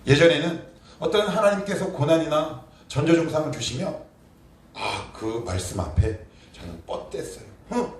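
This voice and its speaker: A male pastor preaching a sermon emphatically, posing rhetorical questions and answering them himself, moving between quiet and forceful delivery. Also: on the high side. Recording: roomy echo, distant mic, faint noise.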